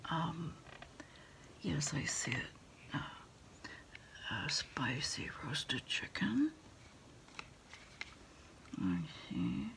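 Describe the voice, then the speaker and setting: A middle-aged woman doing a soft, unhurried ASMR roleplay as a takeout order taker on the phone, hesitating and trailing off often. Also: sits low, sing-song, creaky. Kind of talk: whispered ASMR roleplay, one-sided phone conversation.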